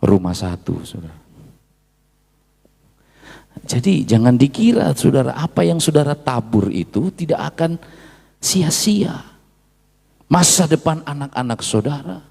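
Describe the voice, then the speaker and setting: A male pastor preaches with a gravelly voice. He sways between quiet, low confiding lines and sudden loud, high shouts, weaving in asides. His voice carries a long reverb from a large church hall. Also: very animated, unhurried, pauses often. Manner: mixes Indonesian with Javanese asides. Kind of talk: sermon.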